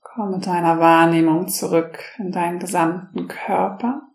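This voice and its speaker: A woman guides a relaxation meditation in a slow, soft and soothing way. Her voice sits a little low, with a gravelly edge. The room around her sounds roomy and echoey. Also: steady tone. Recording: roomy echo.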